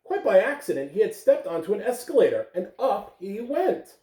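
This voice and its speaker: A woman giving school morning announcements and reading a picture book aloud to young listeners, in a gentle storytelling way. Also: medium pitch, big pitch swings, normal speed, reverberant, far from the mic. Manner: gentle storytelling, coaxing a child to look.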